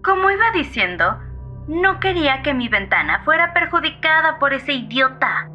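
A thin phone-line filter carries an actress playing a feisty woman caller, high and piercingly bright. She is sarcastic, fearless and vengeful, swinging widely in tone as in a horror radio play, with music underneath. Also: very animated, moderate pace, full character voice. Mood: dismissive, mocking. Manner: brash, mocking, unbothered. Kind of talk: dramatized horror audio story. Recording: thin band-limited phone sound.

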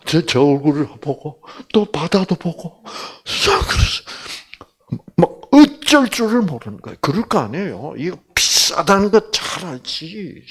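A man's voice: moderate pace, few pauses, breathy edge. An older man giving a Bible lecture, telling a family story and acting out the quoted voices with big swings. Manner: animated, acts out quotes with big pitch jumps.

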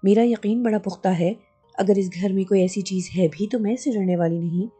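A level-headed young wife in a horror audiobook who speaks with calm confidence, as a woman narrator reads her. Her tone is mellow and breathy, with quiet music underneath. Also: medium pitch, a little fast, lightly acted. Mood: firm.

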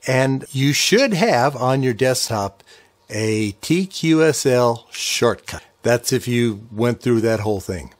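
A man in his sixties hosting an informal ham radio software tutorial, explaining things patiently step by step in a folksy way. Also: mid-range voice.

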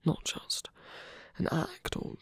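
A man acting a lovestruck villain in an ASMR roleplay, flirtatious yet sincere and protective, confessing haltingly in a breathy, husky voice that often drops to a whisper. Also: fairly bright tone, no room sound, studio quality. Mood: hesitant, tender. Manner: halting, hesitant confession with small sighs. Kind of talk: ASMR roleplay, intimate one-sided dialogue.

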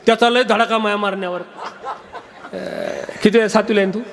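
A man's voice: high voice, fairly even intonation, moderate pace, fairly bright tone. A male kirtan preacher giving a comic sermon, teasing and quizzing his audience at a live gathering.

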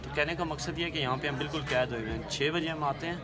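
A young man in his twenties with a Pakistani Urdu accent, chatting and joking to a phone held at arm's length while at work on a call center floor. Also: a little high. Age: 20s. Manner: chatty, joking, drawn-out pace. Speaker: vlogger, call center agent. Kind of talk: casual selfie vlog. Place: indoors, busy open-plan call center floor at night. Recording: loud crowd chatter behind. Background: chatter of a crowded office.

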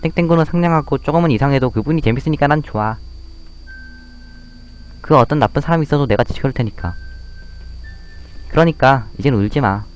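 A man voicing a gentle, protective little girl in a soft, childlike voice over a game. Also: medium pitch, brisk, long pauses, soft background music, voice pushed up, lightly acted. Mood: tender teasing.

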